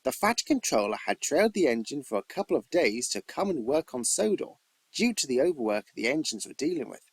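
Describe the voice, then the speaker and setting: A man's voice: mid-range voice, sing-song, brisk, breathy edge, no room sound. A man reading scripted storybook narration as an amateur narrator, with theatrical emphasis.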